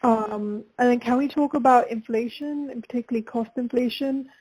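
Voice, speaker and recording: A woman with a fairly high, soft-edged mellow voice puts questions as a financial analyst on a conference call. Her phrasing is fluent and informal. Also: fairly even intonation, normal speed, slightly rough, low-quality recording.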